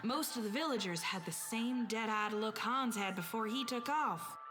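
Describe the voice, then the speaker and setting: A woman's voice: a little high, moderate pace, lightly acted. An actress playing a spirited, stubborn young village girl in an audio drama, plain-spoken, with rustic turns of phrase. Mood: somber recollection.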